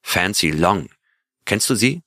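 Guy doing a tired astronaut spinning his story in an audiobook, deep sharp voice, dry close sound. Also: lively intonation, slow, no echo, full character voice. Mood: musing. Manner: vivid storytelling, musing. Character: weary astronaut man telling his adventure. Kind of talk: audiobook character reading.

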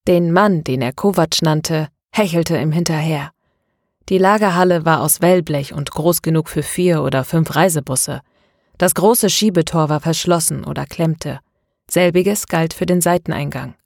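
Low-voiced woman narrating an audiobook. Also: normal speed, a little mellow, no room sound, clean studio sound. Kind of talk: scripted narration.

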